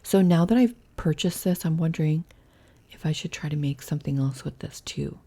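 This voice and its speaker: Woman, cooking vlog host, low voice, mellow tone, chatty, home kitchen. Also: moderate pace. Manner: chatty, conversational, thinks aloud. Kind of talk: casual cooking vlog narration.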